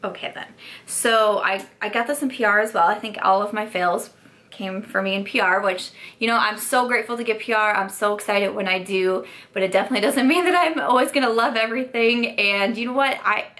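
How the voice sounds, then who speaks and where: A young woman talks through a casual beauty review, frank and full of fillers. Her voice is strained from a sore throat she keeps mentioning. She sits at an ordinary middle pitch. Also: brisk, sharp tone. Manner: chatty, frank, filler-heavy with likes. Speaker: beauty vlogger.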